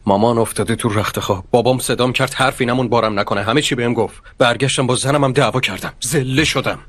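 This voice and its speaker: A man's voice: medium pitch, close to an everyday voice. An actor dubbing a troubled young husband torn between his family and his wife. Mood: frustrated. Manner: pleading, frustrated, later hushed. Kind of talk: Persian drama dubbing. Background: music score.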